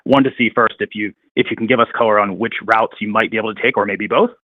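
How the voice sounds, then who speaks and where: A man's voice: on the low side, steady tone, fast talker, no room sound. A man working as a financial analyst, putting a question on an earnings call. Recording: slightly dull phone line.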